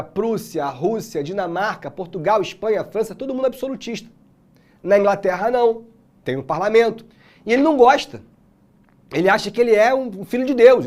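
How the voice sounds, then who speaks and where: A Brazilian man teaching history in a casual exam-prep lecture, telling the story in slangy, animated language. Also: high voice.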